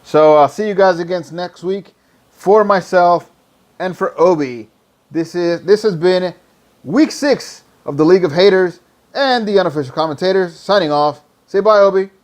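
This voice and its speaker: A hoarse, tired man hosting a podcast, rambling loosely through fantasy football picks and swearing freely. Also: high-pitched, normal speed, darkish tone. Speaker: podcast host. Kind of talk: casual fantasy football talk.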